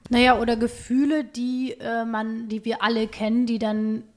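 A woman with a somewhat high voice hosts an informal podcast talk. She reasons out loud, developing her point piece by piece in everyday language. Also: level tone, moderate pace. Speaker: podcast host. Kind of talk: casual chat. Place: indoors at a table in a home.

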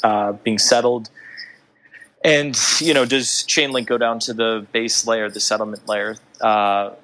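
A man's voice: on the low side, fairly bright tone, rough recording. A man, an investor guest, thinking aloud hesitantly in casual conversation.

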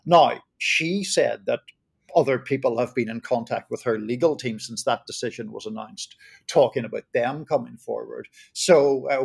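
A Northern Irish man talks as a journalist on a discussion panel. His voice is husky with a gravelly creak at a middling pitch. He chooses his words in a measured, wordy way, with dry understatement. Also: a little mellow. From Belfast, Northern Ireland. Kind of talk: conversational political commentary.

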